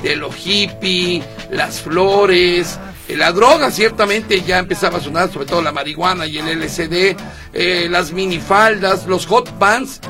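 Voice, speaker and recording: A man's voice: high-pitched, unhurried, music in the background. A man with a Mexican accent hosting a radio show, talking in a chatty, joking way. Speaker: radio host. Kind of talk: casual radio banter.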